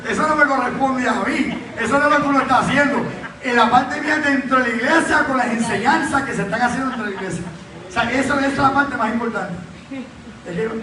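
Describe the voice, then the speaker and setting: A man teaching a Bible study as a pastor, with a high voice and a quick, lively delivery. He acts out the people he quotes as he talks. The recording is echoey and distant, with a faint hum behind him. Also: crowd noise. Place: church. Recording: echoey church hall, mic at a distance.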